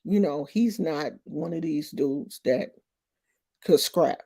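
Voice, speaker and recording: Woman, 50s, slow unhurried delivery, emphatic, streetwise, casual vlog commentary. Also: sits low, dark tone. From Oakland, California. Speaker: vlogger.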